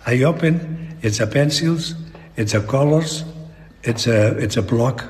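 Very old Spanish man, slow and halting. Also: mid-range voice, a little mellow. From Spain. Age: elderly. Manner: halting, searching broken English with repeated words. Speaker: painter being interviewed. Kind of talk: reflective interview talk. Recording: long echoing reverb in a hall.

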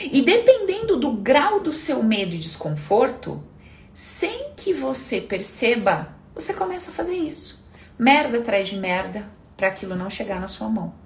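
A woman hosting a casual self-help live talk, animated and acting out inner voices, swearing casually. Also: on the high side, creaky, a little hiss or hum.

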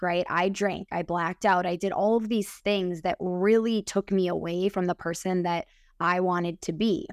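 Clear-voiced young Midwestern American woman. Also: mid-range voice, dry recording, studio quality. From Minnesota, United States. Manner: earnest, filler-heavy with frequent "like". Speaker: podcast guest, sober group leader. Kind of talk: casual personal reflection in conversation.

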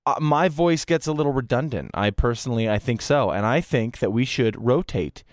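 A man hosting a podcast in casual chat, relaxed and hesitant with fillers. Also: mid-range voice, fairly quick, no room sound, studio quality. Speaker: podcast host and discussion facilitator.

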